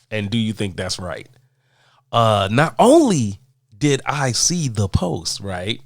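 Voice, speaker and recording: A man with a fairly low voice and a stuffed-up nose from a cold talks straight to his audience in a casual, emphatic rant. He leans on his points and repeats them for effect. The recording is dry and close, with no room sound. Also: no echo. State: congested from a cold. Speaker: commentary vlogger answering viewer questions.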